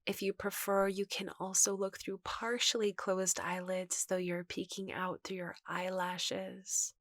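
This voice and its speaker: Gentle woman guiding meditation, close dry sound. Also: medium pitch, level tone, no echo. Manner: gentle, reassuring, unhurried. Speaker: yoga and meditation teacher. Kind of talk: guided meditation instruction.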